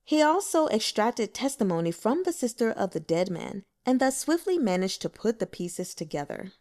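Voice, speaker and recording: A woman narrates a novel as an audiobook. Her pitch sits mid-range but moves in lively sweeps. She tells the story with expressive, deliberate storytelling. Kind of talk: scripted narration.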